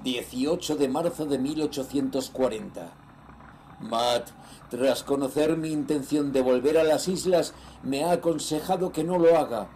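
An actor playing a greedy, ruthless nineteenth-century sea trader, reading his journal in a measured, solemn and theatrical way for a horror audio drama. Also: mid-range voice, mellow, slight background noise, natural voice. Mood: stubborn, defiant.

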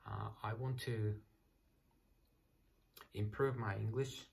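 A man in his thirties from Japan with a Japanese accent, speaking English softly and hesitantly at night in a small apartment room, searching for words with many fillers. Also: fairly low pitch, fairly even intonation, slow, vocal fry. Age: 30s. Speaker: English learner. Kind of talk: casual self-introduction to camera.

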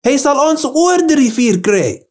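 A man's voice: very high-pitched, very animated, measured pace, a little mellow, pitched above the performer's own voice, exaggerated voice. A man voicing a hopeful, confident wildebeest in a children's storybook. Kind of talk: child-friendly storybook reading.

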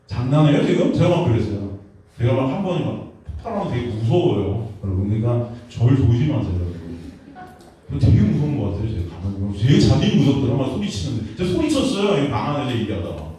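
A man in his thirties preaching a sermon as pastor, animated, dropping to a hush and then rising to shouted questions. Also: mid-range voice, fast talker. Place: church hall in a basement. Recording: echoey hall, mic far off.

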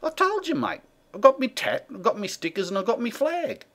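A man's voice: on the high side, huge pitch swings, normal speed, full character voice. A man playing a crude, brash Australian bogan bloke who swears bluntly, with an Australian accent. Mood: boastful. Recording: loud background noise.

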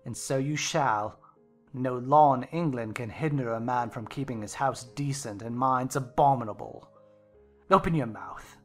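A woman voicing a drunken, menacing country gentleman and father in a dramatized audiobook, ranting and threatening between coaxing and fury. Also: a bass voice, measured pace, soft background music, pitched below the performer's own voice. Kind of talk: dramatized audiobook character acting.

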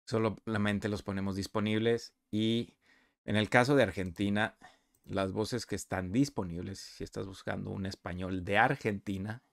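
A man talking conversationally and explaining step by step over a screen recording of a software walkthrough. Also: fairly low pitch, steady tone, moderate pace, creaky, no room sound, clean studio sound. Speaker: software reviewer.

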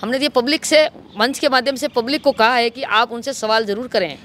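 A man's voice: very high-pitched, a little fast, sharp tone, a little hiss or hum. A man with a Rajasthani accent giving an account in a street interview, speaking into a handheld microphone outdoors. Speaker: local political party worker, interviewee. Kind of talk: street interview, recounting an incident. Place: outdoors in an office compound. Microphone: handheld reporter microphone.

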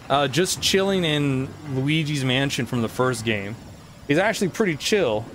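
A man's voice: medium pitch, a little hiss or hum. A man in his thirties giving casual game commentary on a livestream. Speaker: game streamer.

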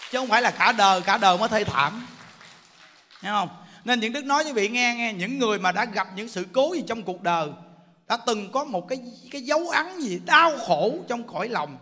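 A man's voice: very high-pitched, pushed and bright, slight background noise. A man with a Southern Vietnamese accent preaching a Buddhist sermon, emphatic and often checking that listeners understand. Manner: emphatic, keeps asking listeners "understand? see?". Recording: long hall reverb.

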